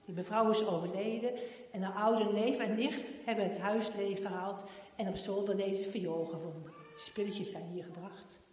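A woman voicing a brisk, chatty middle-aged woman who runs a secondhand shop, in a storybook reading. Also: mid-range voice, steady tone, darkish tone, natural voice. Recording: echoey hall.

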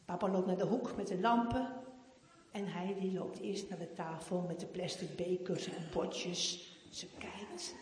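A woman reading a children's Christmas story aloud in an expressive, animated manner. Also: on the low side, a little slow, a little hiss or hum. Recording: echoey hall.

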